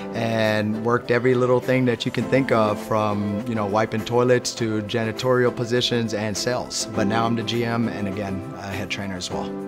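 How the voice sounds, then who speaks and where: Over clear music in the background, a man talks at a fairly quick pace with hardly any pauses. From Germany. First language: German. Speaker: gym manager and head trainer. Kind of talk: testimonial interview answer. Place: gym. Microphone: lapel.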